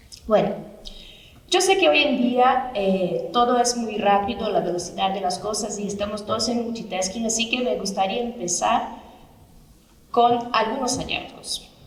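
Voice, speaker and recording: A woman talks at a fairly slow pace and fairly high pitch with ordinary pitch variation. Audible room echo and noticeable background noise surround her voice. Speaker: market research executive, conference speaker. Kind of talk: conference keynote. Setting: stage with audience.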